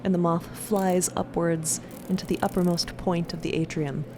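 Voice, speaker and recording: Lowish-voiced woman narrating fiction. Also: fairly even intonation, moderate pace, background noise. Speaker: podcast narrator. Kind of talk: improvised story narration.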